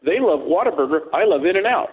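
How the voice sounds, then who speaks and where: A co-host man on a call-in radio show tells rambling, joking stories. His voice swoops up and down and sits a bit high. The sound is tinny and narrow, like a phone line. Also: animated, brisk. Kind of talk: casual radio talk.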